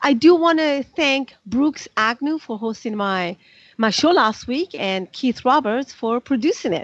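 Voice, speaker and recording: Speaking at a moderate pace, a woman uses a high pitch and lively intonation. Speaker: radio talk show host. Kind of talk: radio talk show.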